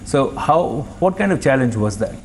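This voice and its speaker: A man with a mid-range voice hosts a TV business interview. He frames his questions slowly, dotting them with fillers. A faint hum runs underneath. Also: mid-range voice, expressive. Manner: prompting questions with many fillers. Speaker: host.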